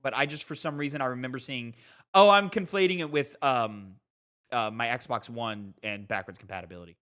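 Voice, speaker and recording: A man's voice: mid-range voice, fairly quick, a bit bright, smooth. A man co-hosting a casual gaming podcast, chatting in an argumentative way and swearing casually. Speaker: podcast co-host.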